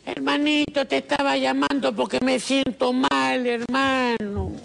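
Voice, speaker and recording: A man's voice: very high-pitched, fairly even intonation, measured pace, vocal fry, fairly bright tone, a little hiss or hum. A man making a comic prank phone call, wheedling and scheming, calling everyone brother. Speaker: prank caller.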